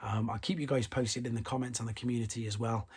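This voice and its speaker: A man with a fading, hoarse voice, hosting a casual toy news roundup and rambling through asides and self-corrections. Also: medium pitch, steady tone, quick pace, a little mellow. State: losing his voice. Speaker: toy collecting channel host.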